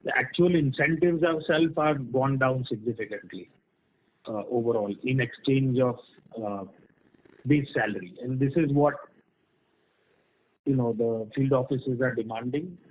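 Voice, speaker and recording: Unhurried and pausing often, a man with a mid-range voice speaks as a company executive answering analysts on an earnings call. His off-the-cuff explanations are frank and dotted with "right?", heard through a muffled, band-limited conference line.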